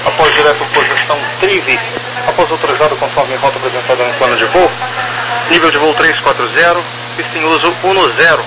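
A man's voice: a little high, fairly quick. Brazilian male radio operator, helmet-radio sound, heavy static and hum, formulaic air traffic exchanges. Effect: aircraft radio, like a helmet radio. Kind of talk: clipped aviation radio phraseology. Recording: very noisy humming aircraft radio channel.

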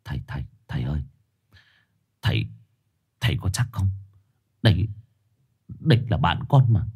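A man's voice: rumbling low, sing-song, moderate pace, vocal fry, darkish tone, husky, voice pushed down, heavily acted. A man voicing a frightened young man who stammers and trembles.

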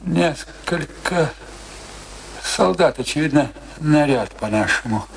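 An actor playing an embittered, world-weary middle-aged husband in a radio play, confessing coolly in slow, halting, pensive phrases. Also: male voice, fairly high pitch, lively intonation, vocal fry, a little hiss or hum, exaggerated voice, rough recording. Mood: musing. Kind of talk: theatrical radio play dialogue.

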